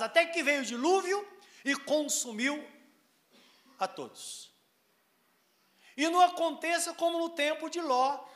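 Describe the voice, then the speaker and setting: A man preaching a sermon, emphatic, quoting scripture and swinging sharply between loud and soft. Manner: emphatic preaching with sweeping pitch and loudness swings; quotes scripture and acts out voices in a raised tone.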